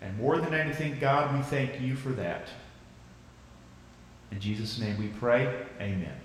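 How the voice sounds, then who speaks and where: A man's voice: mid-range voice, a little slow, slight background noise, lightly acted. Earnest camp preacher played by a man, echoing hall. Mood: earnest, devout. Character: earnest male youth church camp leader. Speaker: camp chapel leader. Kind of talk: audio drama acting, leading prayer and addressing a congregation. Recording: echoey hall, far from the mic.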